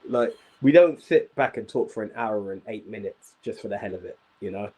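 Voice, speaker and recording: A man's voice: on the low side, fairly quick, dark tone, slightly rough. A man hosting a wrestling review show, speaking emphatically and repeating himself for emphasis. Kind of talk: casual podcast chat.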